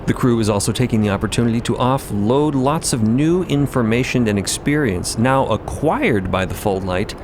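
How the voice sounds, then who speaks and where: Mid-pitched man narrating over ambient noise. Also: normal speed, hardly any pauses. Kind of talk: scripted story narration. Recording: clear ambient noise behind voice.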